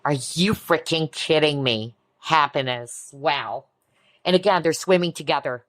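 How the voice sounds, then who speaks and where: A woman giving a collective tarot reading in a soft, reassuring way, often breaking into amazed exclamations. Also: sits low, a little slow, no room sound. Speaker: tarot reader. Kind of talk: pick-a-card tarot reading.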